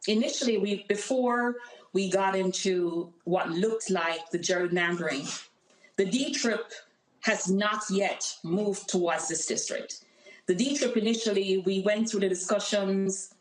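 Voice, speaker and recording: A woman's voice: medium pitch, measured pace, roomy sound, rough recording. A woman with a Jamaican accent, a political candidate speaking earnestly and emphatically as a guest on a remote call. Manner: earnest, emphatic campaign talk. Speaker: congressional candidate. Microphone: call audio.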